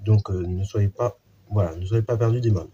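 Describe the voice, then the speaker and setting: A man's voice: lowish voice, normal speed, dark tone, husky, dull audio. A man teaching a math lesson in an informal way, with many fillers and restarts while he explains a theorem.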